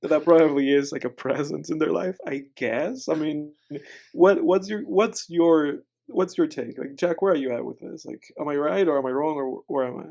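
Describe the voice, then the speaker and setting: A man's voice: a little high, normal speed, creaky, a little mellow. A young man from the Republic, co-hosting a casual podcast chat over a remote call, talking in a rambling, hedging way full of fillers. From Dominican Republic. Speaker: podcast co-host.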